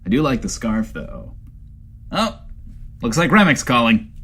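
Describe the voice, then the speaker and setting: A man's voice: mid-range voice, huge pitch swings, measured pace, a bit bright, husky, full character voice. A man playing an anxious, rambling host of a post-apocalyptic comedy variety webshow, theatrical and hesitant in delivery. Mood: uneasy, conflicted. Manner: theatrical, hesitant, self-referring.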